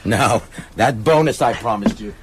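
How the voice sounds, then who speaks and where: A man's voice: on the low side, normal speed, husky. An actor in a radio drama playing a manipulative small-town businessman with an insinuating, coaxing manner. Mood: brisk.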